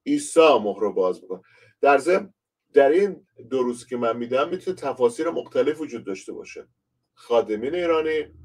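A man from Iran teaches scripture as a pastor in an unhurried online lesson. His voice sits in an ordinary middle range, and he keeps turning to address his listeners as he explains each point. He sounds a little distant from the microphone. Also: medium pitch. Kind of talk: conversational online Bible lesson.

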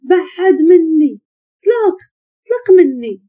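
A woman with a Moroccan accent voicing a frightened young woman psychiatrist, pleading through tears in a husky voice. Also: high voice, very animated, a little fast, full character voice. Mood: sobbing, pleading. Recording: muffled lo-fi recording.

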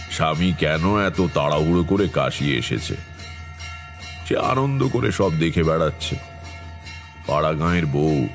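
Very deep, slow male storyteller. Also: full character voice. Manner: measured, ominous. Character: grave, foreboding tantric storyteller recalling eerie past. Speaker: first-person narrator. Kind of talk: dramatic horror story narration. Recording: music behind the voice.

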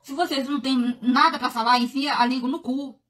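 A woman on a phone livestream, ranting at commenters in a blunt, crude way that flares into shouting. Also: high voice, fairly even intonation, fairly quick. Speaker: social media personality.

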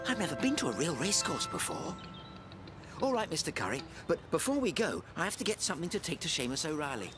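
An actor voicing an innocent young cartoon bear, courteous, earnest and matter-of-fact. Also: male voice, on the high side, wildly swooping pitch, quick pace. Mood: polite. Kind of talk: animated cartoon acting. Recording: cartoon music behind voice.

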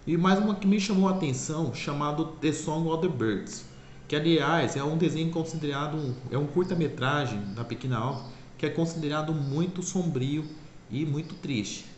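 A man's voice: fairly high pitch, moderate pace, darkish tone. A man casually retelling a cartoon's plot in a rambling way, often correcting himself. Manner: rambling, self-correcting, repeats "é claro". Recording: echoey room, faint ambient noise.

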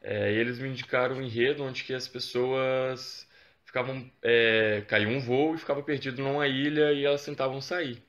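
A man's voice: mid-range voice, steady tone, normal speed, a bit bright, highs cut off. A young man talking casually as a fan, rambling a bit with fillers, recorded on a phone camera. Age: young adult. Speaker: interviewed fan. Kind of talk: casual testimonial.

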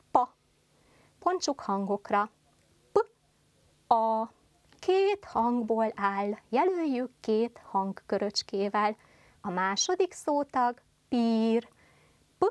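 Clear-spoken woman teaching small children. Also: fairly high pitch, dry recording. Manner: slow, carefully articulated, speaks warmly to children. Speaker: primary school teacher. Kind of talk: televised first-grade lesson.

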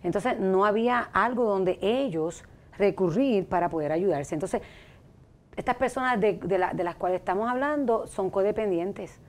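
A middle-aged woman from Puerto Rico with a Puerto Rican accent, a life coach speaking haltingly in a studio interview on a lapel mic. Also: mid-range voice. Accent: Puerto Rican Spanish. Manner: hesitant, many fillers and restarts.

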